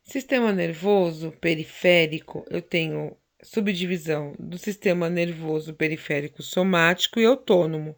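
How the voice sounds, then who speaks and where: A woman's voice: on the low side, moderate pace, hardly any pauses. A woman teacher, explaining anatomy in a recorded lecture, often checking in with tag questions and fillers.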